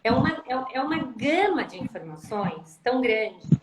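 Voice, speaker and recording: A fairly high-voiced woman speaking emphatically as a guest in a live video chat, often repeating her words to drive a point home. Her voice comes through an echoey room with heavy noise behind it. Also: expressive, moderate pace. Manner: emphatic, repeats phrases for stress. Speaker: speech therapist guest. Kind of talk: live-stream conversation on parenting. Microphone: video call.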